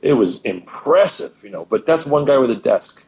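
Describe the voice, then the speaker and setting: A man's voice: medium pitch, expressive, moderate pace, darkish tone, dull audio. A man who is a guest musician on a podcast, chatting casually and emphatically, often repeating words for stress. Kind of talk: casual conversational chat.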